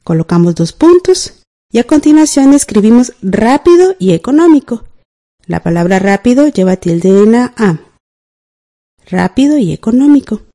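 A woman teaching a grammar lesson for radio class, calmly guiding listeners through each exercise. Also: fairly high pitch, normal speed. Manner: calm, guides exercises step by step with "ajá".

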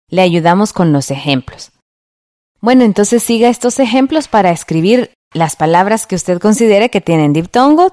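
A woman teaching a radio lesson in a clear, patient way, checking in with the listener. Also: medium pitch, a little mellow, no room sound, clean studio sound. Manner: clear, patient, asks ¿verdad?.

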